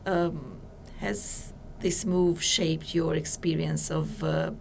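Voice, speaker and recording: A woman hosting a podcast interview, gentle and affirming, with frequent murmured agreement. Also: low voice, slow, creaky, a little hiss or hum. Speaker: podcast host.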